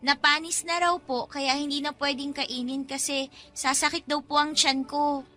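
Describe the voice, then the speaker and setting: A woman's voice: high voice, fairly even intonation, moderate pace, bright, forceful tone. A woman playing an innocent, hungry young schoolgirl in a Filipino radio drama, speaking politely and full of childlike questions. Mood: hungry, plaintive. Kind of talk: Tagalog radio drama acting.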